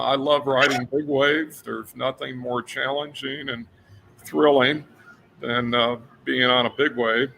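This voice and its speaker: An older man from Florida talks as a guest on a show. His voice is gravelly and bright, and he speaks earnestly and unhurriedly, with many fillers. A faint hiss of noise sits behind him. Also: mid-range voice, rough recording. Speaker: guest author. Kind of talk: casual interview chat.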